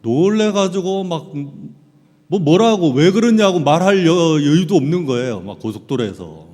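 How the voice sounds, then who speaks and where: A middle-aged male pastor preaching a sermon, telling personal stories in an animated way and acting out scenes. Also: high voice, a little slow. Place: large hall at a church camp. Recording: long reverb of a large hall.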